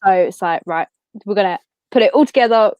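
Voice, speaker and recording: Female, around twenty, interview guest, casual and chatty, medium pitch, dry recording. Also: brisk, darkish tone, no room sound, lo-fi sound. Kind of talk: casual chat.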